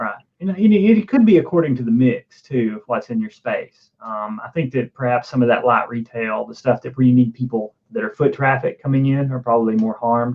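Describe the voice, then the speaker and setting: A man with an Arkansas accent talks at a fairly quick pace, with hardly any pauses. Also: medium pitch for a man, ordinary pitch variation. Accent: Arkansas Southern. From US South, Arkansas. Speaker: economics professor. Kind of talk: presentation with Q&A in online meetup. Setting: virtual live stream. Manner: hesitant, many fillers and repeats.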